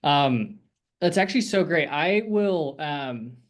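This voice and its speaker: Guy coaching sales folks over a video call, kinda high voice, rambly and encouraging. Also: expressive, slow. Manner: casual, rambling, encouraging with many fillers.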